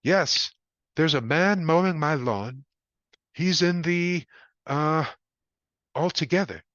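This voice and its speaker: Casting: man playing panicked suburban homeowner, shrill and frantic, dull lo-fi recording. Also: slow pace, a bit bright, dry recording. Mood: awkward. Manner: shrill, desperate, raised voice.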